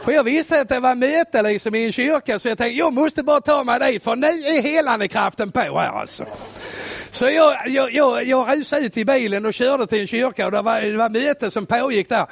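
A male preacher telling a story in a sermon, loud and exclamatory, swinging from shouting to hushed tones. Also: very high-pitched, vocal fry, no room sound. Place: church. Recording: muffled lo-fi recording.

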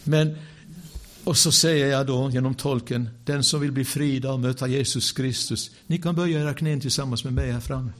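A man preaching in the manner of a storyteller, recounting a moment from his ministry. He talks at a middle pitch, lively and animated, with wry, self-mocking asides. When the story stills, his voice drops to a hush. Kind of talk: sermon with personal storytelling.

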